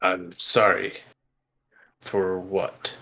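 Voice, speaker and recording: Low, gravelly man, terse tabletop player. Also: little pitch movement, drawn-out words, bright, forceful tone, poor audio. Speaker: tabletop role-playing game player. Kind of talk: casual game chat and role-play.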